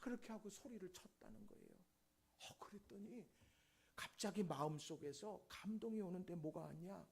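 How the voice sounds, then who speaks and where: A man's voice: high voice, lively intonation, normal speed, creaky, a little mellow, slightly rough. A man preaching a sermon in a church, telling a testimony story and acting out the voices of the people in it. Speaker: pastor. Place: church sanctuary.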